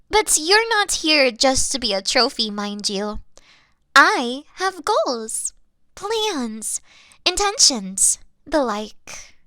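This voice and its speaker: A woman playing an obsessive, lovestruck elf kidnapper in a fantasy audio roleplay, with a coy, theatrical delivery that dips into hushed tones. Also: high-pitched, dry recording, studio quality, exaggerated voice. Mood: playfully menacing.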